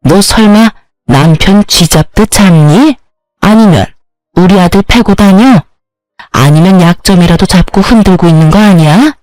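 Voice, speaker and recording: A bitter older mother-in-law, as a woman reads her, in an audio story, berating and accusing without letup. The voice sits at a middling pitch, close and dry, with faint music beneath. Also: a little slow, darkish tone, no room sound, close to an everyday voice. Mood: scolding.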